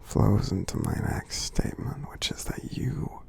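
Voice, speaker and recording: A man voicing a kindly, reassuring giant in a soothing ASMR roleplay, half-whispering with a husky, gravelly creak and halting delivery. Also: on the low side, warm tone, full character voice. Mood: soothing, caring. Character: gentle friendly male giant, kindly and reassuring. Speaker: ASMR performer.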